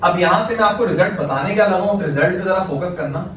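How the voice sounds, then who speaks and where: A man's voice: high-pitched, quick pace, a bit bright, a little hiss or hum. A male math teacher with a Pakistani Urdu accent giving a classroom lecture, explaining step by step and answering his own questions. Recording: very echoey room, voice from far off.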